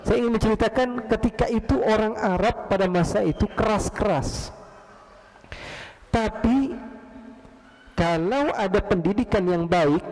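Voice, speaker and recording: A man preaching a storytelling sermon in an animated way, often asking his audience questions. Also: on the high side, vocal fry. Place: large mosque. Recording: long reverb of a large mosque hall.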